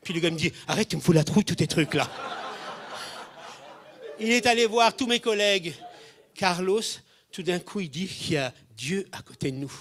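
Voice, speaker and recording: A man with a high voice preaches at a moderate pace, pausing often as he tells his congregation funny stories. He performs the voices of quoted people with animation, and his loudness jumps now and then.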